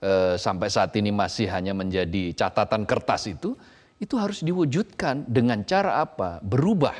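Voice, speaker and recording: A man's voice: fairly low pitch, expressive, normal speed. A man appearing as a studio guest, giving conversational political commentary with frequent fillers. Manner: explanatory, with many fillers and restarts, citing figures.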